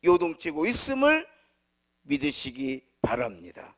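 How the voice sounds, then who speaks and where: Animated, high-pitched Korean preacher man. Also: measured pace. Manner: animated preaching, from loud to soft and low. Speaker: pastor. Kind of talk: sermon.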